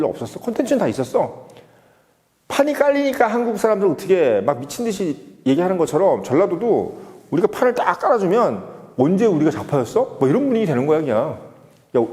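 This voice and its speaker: A man's voice: fairly high pitch, darkish tone, in a large hall. A man giving an emphatic political opinion monologue, full of rhetorical questions. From Seoul. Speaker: political commentator.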